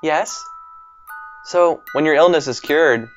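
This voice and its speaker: A man's voice: mid-range voice, moderate pace. Giggly young man playing a game. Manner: giggly, self-conscious and animated. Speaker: gaming video host. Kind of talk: casual let's-play commentary and reading aloud. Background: faint game music.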